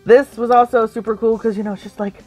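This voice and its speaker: Excitable woman co-host, 30s, giggly collector chat, faint music behind. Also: fairly high pitch, quick pace. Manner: excitable, giggly, squeals when surprised. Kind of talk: casual chat. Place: home collection room with shelves.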